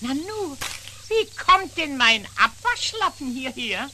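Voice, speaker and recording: Prim bossy magpie, high and swooping, always scolding. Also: female voice, sing-song, slow pace, pushed and bright, slight background noise, full character voice. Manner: prim, scolding, exclaims a lot. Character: fussy bossy female magpie, house-proud. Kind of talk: puppet show acting.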